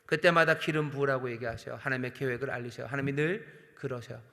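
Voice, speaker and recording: A male pastor preaches at a Friday night prayer service, speaking straight to the congregation. His voice sits at an ordinary middle pitch and moves between forceful emphasis and quiet, drawn-out phrases. Everything rings with the long reverb of a large church sanctuary. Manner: earnest preaching with emphatic swells and soft drops; addresses the congregation directly and voices God's questions. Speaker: senior pastor.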